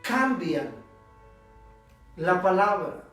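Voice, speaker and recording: Pastor, male, high-pitched and unhurried, emphatic sermon with long pauses, recorded far off in a very roomy church over soft music. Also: very animated. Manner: emphatic preaching with drawn-out pauses. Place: church sanctuary. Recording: echoey church, distant mic, soft instrumental music.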